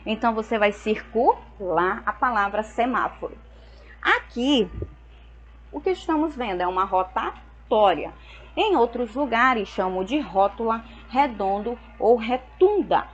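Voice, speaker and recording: A young woman from Brazil, teaching a school lesson and explaining slowly and patiently, often checking in with her students. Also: fairly high pitch, lively intonation, muffled recording. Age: young adult.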